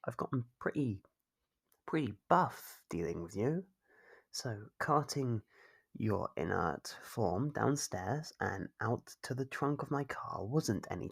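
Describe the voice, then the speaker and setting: A man playing a calmly controlling, doting yandere kidnapper in an ASMR roleplay, speaking in a measured, formal, fussily caring way. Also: medium pitch, creaky, breathy edge, heavily acted. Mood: calm, possessive. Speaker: voice actor.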